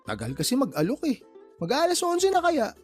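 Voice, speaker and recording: A man acting a playful, teasing younger friend in a radio drama, boastful and quick to joke. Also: very high-pitched, wildly swooping pitch, breathy edge, soft background music, full character voice. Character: joking loyal younger male buddy, playful.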